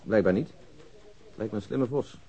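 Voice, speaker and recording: An actor playing a polite, dry, methodical police detective with a businesslike manner in a radio drama. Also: male voice, lowish voice, normal speed, gravelly, dark tone. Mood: brisk, businesslike. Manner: businesslike, unruffled. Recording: dull lo-fi old radio recording.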